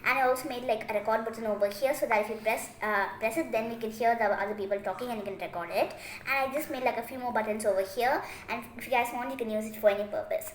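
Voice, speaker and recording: A woman's voice: fairly high pitch, fast talker. A woman hosting a craft tutorial, giving step-by-step instructions in a chatty, repetitive teaching manner. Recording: echoey room, faint noise, clicks.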